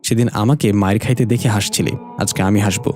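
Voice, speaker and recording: A mischievous young prankster with a smug, cheeky comeback for everything, voiced by a male storyteller. His voice is mellow, and it sits slightly higher than the narration. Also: fairly even intonation, brisk, soft background music, close to an everyday voice.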